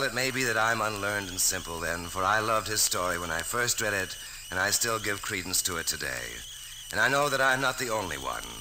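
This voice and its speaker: Man, vintage radio drama host, swooping expressive delivery, noisy archive sound. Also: on the low side. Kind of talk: 1940s radio introduction, scripted. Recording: noisy old radio recording.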